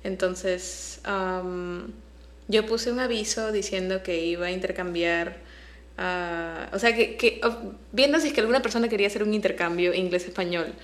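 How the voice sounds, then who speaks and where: A young woman, a native Spanish speaker, co-hosts a relaxed podcast at a middling pitch. She talks in a chatty, teasing way and keeps the conversation rolling. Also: normal speed. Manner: chatty and teasing, laughs often. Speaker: podcast co-host. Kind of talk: casual chat.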